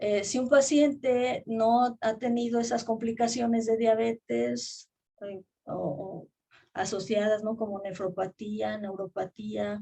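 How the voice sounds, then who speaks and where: A dark, mellow tone at a very slow pace with fairly even intonation. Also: woman, fairly high pitch for a woman. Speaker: geriatrician. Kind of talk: lecture. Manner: frequent fillers and hesitations.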